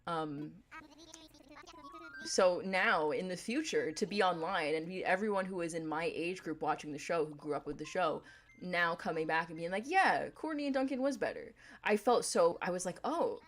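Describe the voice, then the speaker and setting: A young woman with a deep voice chatting casually on a gaming livestream, rambling in a playful, laid-back way. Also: lively intonation, normal speed. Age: young adult.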